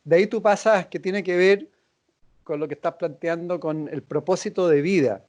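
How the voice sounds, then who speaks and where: A man hosting a reflective conversation, calm and affirming, with small hesitations as he builds on his guest's points. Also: high-pitched, moderate pace. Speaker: host.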